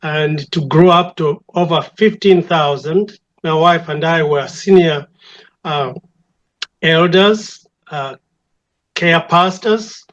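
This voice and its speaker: Slow, higher-voiced older Ugandan man. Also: a bit bright, dull audio. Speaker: church elder and care pastor, interview guest. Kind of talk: reflective conversation.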